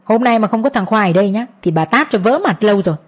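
A woman voicing a shrill, scornful older mother-in-law in a narrated story, wailing and raised. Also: expressive, quick pace, close to an everyday voice.

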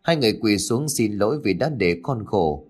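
A man voicing a sickly, remorseful teenage girl in a spoken ghost story, talking in a soft, pleading way. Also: lowish voice, expressive, moderate pace, faint music behind. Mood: sorrowful, pleading.

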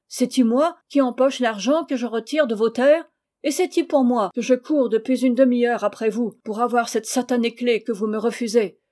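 A woman's voice: mid-range voice, warm tone, close to an everyday voice. A woman reading as a blunt, honest, good-hearted male farmhand with rustic turns of speech in a storybook.

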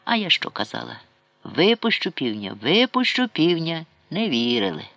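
A man's voice: a little high, big pitch swings, normal speed, creaky, sharp tone, no room sound, full character voice. A man voicing a spiteful village woman who gloats and chants curses while a fire spreads. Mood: gloating.

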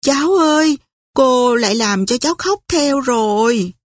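A woman's voice: high-pitched, expressive, measured pace, no room sound. A woman voicing a fussy, weepy older aunt in a storybook reading, with a fretful, tearful manner.

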